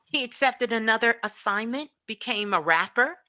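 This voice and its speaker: A woman with a bright, forceful voice speaks as a spiritual teacher. Her delivery is motivational and emphatic, preaching her points and driving them home with repetition. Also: on the high side, animated, normal speed. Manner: emphatic, preaching, with repeated phrases.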